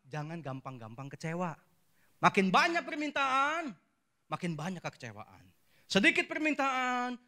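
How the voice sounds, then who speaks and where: A man preaching a sermon, telling stories and calling out to the congregation for responses. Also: high-pitched. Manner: lively storytelling with call-and-response. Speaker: pastor.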